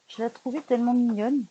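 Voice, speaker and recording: A woman's voice: mid-range voice, muffled recording. A woman vlogger in casual chat, showing books she bought, hesitant with frequent fillers and restarts, recorded indoors at home. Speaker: vlogger showing a book haul.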